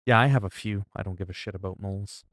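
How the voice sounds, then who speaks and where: Chatting profanely with his stream viewers, this man in his forties rambles and illustrates points with everyday examples. His lowish voice is steady and a bit bright, moving at a quick pace, recorded studio-quality with no room sound.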